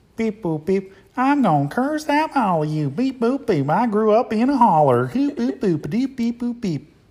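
A put-on character voice, female-sounding and fairly high in pitch, with very wide pitch swings, a moderate pace and hardly any pauses. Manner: comic, mock-menacing.

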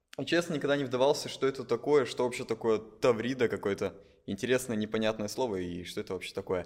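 The recording is very clean, the background silent. A man speaks at a very fast pace. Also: medium pitch for a man, ordinary pitch variation. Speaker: podcast host, event host. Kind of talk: casual interview chat.

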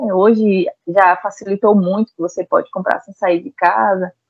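A woman with a Bahian accent speaks at a fairly slow pace and medium pitch with ordinary pitch variation. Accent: Bahian Brazilian Portuguese. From Brazil, Bahia (Salvador). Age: 30s. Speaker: traveler. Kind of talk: casual chat.

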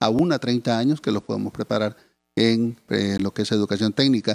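In a very clean recording with a silent background and a dry, close sound with no echo, a man uses a normal speaking voice at medium pitch, moving at a fairly quick pace with fairly even intonation. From Honduras, San Pedro Sula. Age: 60s. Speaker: entrepreneur and mayoral candidate. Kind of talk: interview.

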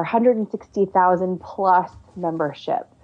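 A woman with an American accent speaks in a normal speaking voice at medium pitch, her intonation fairly even. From Pennsylvania, US Northeast. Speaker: sorority headquarters education director. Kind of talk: interview conversation.

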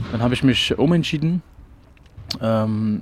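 A man's medium-pitched voice moves with ordinary pitch variation. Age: 20s. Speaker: fitness coach and sports student. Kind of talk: casual interview. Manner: hesitant, many filler sounds.

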